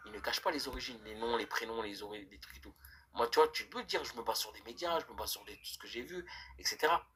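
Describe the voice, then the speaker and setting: A man's voice: mid-range voice, fast, a little hiss or hum. A man live-streaming, arguing heatedly with his chat in a casual way, with many restarts. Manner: animated, argumentative, many restarts.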